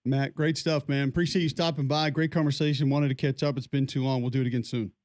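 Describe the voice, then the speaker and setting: A man co-hosts a morning sports radio show, rattling along at a quick pace with easy, joking banter. His voice is mid-pitched and close to the studio mic, with a dry sound and no room behind it. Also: little pitch movement, darkish tone, no echo. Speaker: radio co-host. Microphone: studio microphone.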